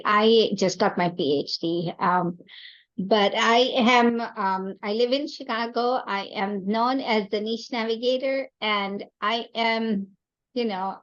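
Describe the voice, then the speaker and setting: A woman from Kenya speaking as an interview guest, telling of her life in a halting, reflective way with rhetorical check-ins. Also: mid-range voice, muffled recording. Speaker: podcast guest, entrepreneur and coach. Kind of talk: conversational interview storytelling.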